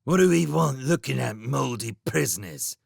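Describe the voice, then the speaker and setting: A man's voice: medium pitch, expressive, moderate pace, no room sound, studio quality. A man voicing two surly male rat guards in an audiobook, with coarse, blustering talk. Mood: scoffing. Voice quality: gravelly, rough-edged. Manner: blustering, threatening, coarse slang. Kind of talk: audiobook character voice.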